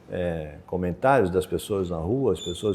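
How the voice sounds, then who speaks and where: On a very clean recording with a silent background, a man's dark, mellow voice moves in very wide pitch swings. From Florianópolis, Santa Catarina, southern Brazil. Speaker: mayor and businessman. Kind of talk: interview. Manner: natural, conversational.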